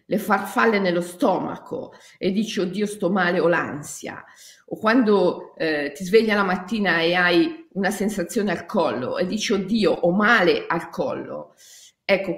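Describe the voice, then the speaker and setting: Gravelly low woman, echoey room. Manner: emphatic, repetitive, laughs between phrases. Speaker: shamanic yoga teacher. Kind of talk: spiritual talk.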